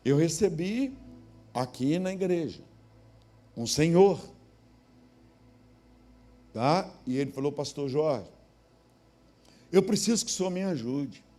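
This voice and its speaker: Middle-aged Brazilian man, high-pitched pastor who preaches through lively acted-out stories. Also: takes it slowly, long pauses. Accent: Brazilian Portuguese, Minas Gerais. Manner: storytelling sermon, acting out dialogue in many voices, bursts of shouting. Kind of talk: sermon. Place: church sanctuary.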